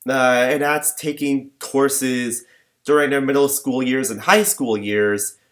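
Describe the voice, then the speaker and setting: A young man rambling in a personal vlog, talking in a flat monotone with many fillers and false starts. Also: medium pitch, takes it slowly. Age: young adult. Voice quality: limited, flat range. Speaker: vlogger.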